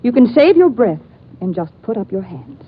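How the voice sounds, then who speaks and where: A woman's voice: a little high, very animated, normal speed, slightly rough. An actress playing a young woman jewel thief who turns to threats at gunpoint, in a 1950s radio drama, old lo-fi recording. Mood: threatening. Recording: dull lo-fi old radio transcription.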